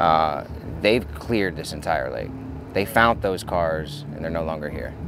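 Over noticeable background noise, a man with a very deep, low pitch speaks at a fairly slow pace with ordinary pitch variation, the sound dry with no echo. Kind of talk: casual vlog chat. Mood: serious, briefing. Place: waterside.

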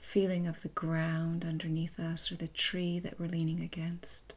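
At a fairly slow pace, a woman speaks in a soft-spoken way. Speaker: meditation teacher. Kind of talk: guided meditation. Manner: slow, soft-spoken. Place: home room. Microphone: phone near.

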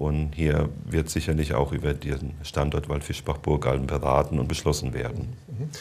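Speaking at a fairly slow pace, a man with a very deep, low pitch uses vocal fry. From Palatinate, Germany; Germany. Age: 50s. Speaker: municipal mayor and candidate; municipal mayor, candidate. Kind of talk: candidate interview. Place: studio. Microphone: lapel.

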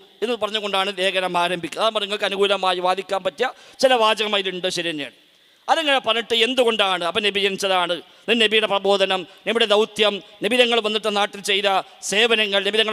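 A man's raised, projected voice, high in pitch, bright and sharp in tone, with fairly even intonation. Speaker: Islamic preacher. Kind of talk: religious debate talk.

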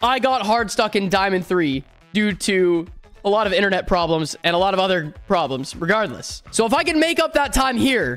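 The voice is energetic in tone, with very wide pitch swings. It moves at a moderate pace over faint music in the background. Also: man. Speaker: streamer doing a ranked speedrun. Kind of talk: casual stream commentary. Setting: good streaming microphone. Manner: energetic, hyped commentary. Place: home room. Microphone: studio mic.

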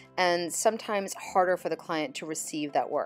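Over background music, a woman with a fairly low pitch talks at a fairly quick pace, her pitch varying in an ordinary way. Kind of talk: tutorial.

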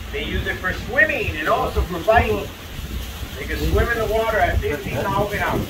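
Loud background noise sits behind a man who speaks at a fairly slow pace. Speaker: animal show guide. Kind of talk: tour guide presentation. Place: open country. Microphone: camera far.

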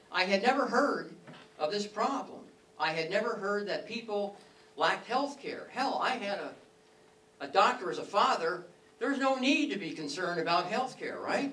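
A man's high-pitched voice with lively intonation and long, frequent pauses, in audible room echo. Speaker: health care advocacy organizer. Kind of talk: workshop talk. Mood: animated, anecdotal. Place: meeting room.

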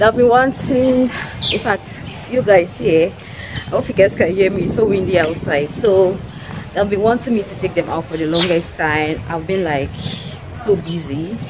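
With ordinary pitch variation, a woman speaks amid noticeable background noise, leaving long, frequent pauses. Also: moderate pace. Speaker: vlogger. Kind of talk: casual vlog chat. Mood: cheerful, laughing. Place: street. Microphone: phone near.

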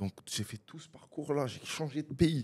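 A moderate pace against a quiet background. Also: man. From Italy, near Milan; Italy. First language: Italian (speaking French). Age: 20s. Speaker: content creator. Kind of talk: casual interview chat. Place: studio. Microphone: studio mic.

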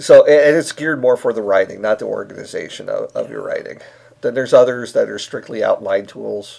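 Loudness swings widely as a man talks against noticeable background noise. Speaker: podcast co-host and author. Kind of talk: casual chat. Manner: halting.

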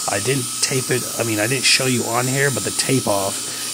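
A man with an American accent, fairly quick pace and fairly even intonation, plus audible room echo and noticeable background noise. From California. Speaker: headlight restoration professional / YouTuber. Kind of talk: casual tutorial monologue. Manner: halting, many fillers.

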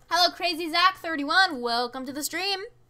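Using a put-on character voice at an extremely high pitch, a woman talks at a moderate pace with ordinary pitch variation. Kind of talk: announcer. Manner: bright, welcoming announcer delivery.

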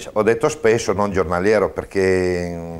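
A man speaks with a Romanian accent. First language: Romanian (speaking Italian). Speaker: community association president; guest. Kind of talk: TV interview. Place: studio. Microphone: lapel.

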